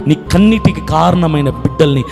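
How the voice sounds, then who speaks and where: A preacher giving voice to the earth as a wrathful force that begs to swallow the wicked, with fervent, threatening pleading. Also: male voice, a little high, a little fast, vocal fry, a little mellow, in a large hall, soft background music, pitched below the performer's own voice.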